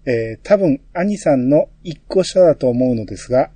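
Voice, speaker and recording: A man hosting a casual podcast, reading listener mail aloud with a relaxed, teasing manner. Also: mid-range voice, moderate pace, breathy edge, no echo. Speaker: podcast host.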